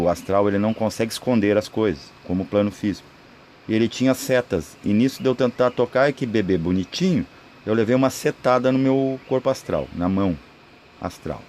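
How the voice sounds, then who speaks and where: Brazilian male, mid-pitched, informal spiritual teacher, rambling explanations with frequent checking tags, faint noise behind. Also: a little mellow. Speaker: spiritual video creator. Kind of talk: informal spoken esoteric teaching.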